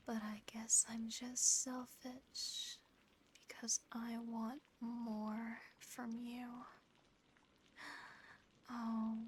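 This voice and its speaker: A woman's voice: fairly high pitch, a little hiss or hum, full character voice, rough recording. A woman voicing a seductive, possessive female demon in a whispered ASMR roleplay, close to the microphone, with a teasing, smug delivery. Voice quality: soft, breathy whisper. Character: seductive, possessive female sleep-paralysis demon admiring a human.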